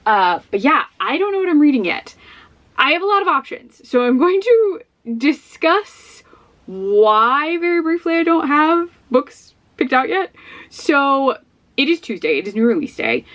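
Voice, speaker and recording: A woman's voice: high voice, very animated, unhurried, fairly bright tone, highs cut off. A young woman vlogging to her camera in a chatty, rambling way, full of fillers and asides. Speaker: book vlogger. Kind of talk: casual talk to camera. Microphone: camera facing her.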